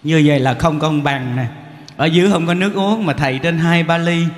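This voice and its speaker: A man's voice: fairly high pitch, brisk. A man with a Southern Vietnamese accent, a monk giving a humorous sermon full of stories, teasing the audience and acting out characters. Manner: animated, teasing, acts out characters. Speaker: monk giving a dharma talk. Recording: echoey hall, faint background noise.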